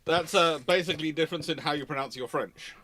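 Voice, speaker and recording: A man's voice: fairly high pitch, fast talker, bright, forceful tone, slight background noise. A British man hosting a casual live question-and-answer stream, thinking aloud and wandering into digressions. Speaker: host answering viewer questions on a livestream.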